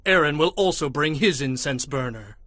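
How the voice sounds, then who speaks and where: A man's voice: on the high side, animated, moderate pace, fairly bright tone, dry recording, clean studio sound. A man playing a stern, indignant Hebrew prophet and leader in a dramatized scripture, speaking in an emphatic, commanding, declamatory way.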